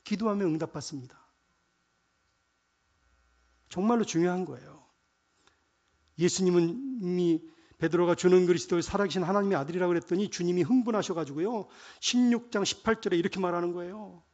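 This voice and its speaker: A middle-aged man preaching a sermon as pastor. He swings from soft asides to loud proclamations, quotes scripture and leads the congregation in call-and-response. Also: high-pitched, fast, highs cut off.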